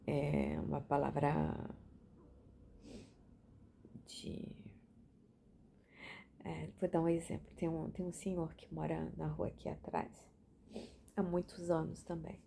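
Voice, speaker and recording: A woman's voice: deep voice, level tone, slow, creaky, pauses often, dark tone, slight background noise. A young woman sharing a casual, chatty reflection with lots of fillers and restarts. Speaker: book reading vlogger.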